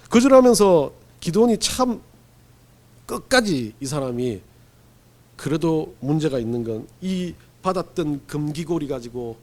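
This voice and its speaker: A man preaching a sermon as pastor, telling stories in an animated, humorous way and acting out quotes. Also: medium pitch. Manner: animated storytelling with acted-out quotes; humorous, laughs while preaching.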